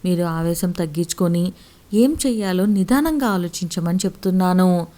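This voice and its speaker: A woman voicing a worried, devoted middle-aged village wife who pleads gently with her husband. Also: on the low side, normal speed, lightly acted. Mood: anxious.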